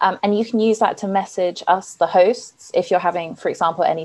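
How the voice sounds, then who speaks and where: Moving at a fairly quick pace, this woman's voice shows ordinary pitch variation. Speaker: physics researcher and seminar host. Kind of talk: seminar hosting and Q&A moderation. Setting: video call. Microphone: video call.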